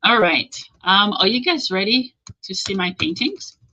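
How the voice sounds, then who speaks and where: A woman's voice: mid-range voice, animated, measured pace, pushed and bright, lo-fi sound. A woman hosting a motivational livestream, encouraging her viewers, often checking in with "okay?" and reading out their comments. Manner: reads out and answers viewer comments. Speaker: livestream host.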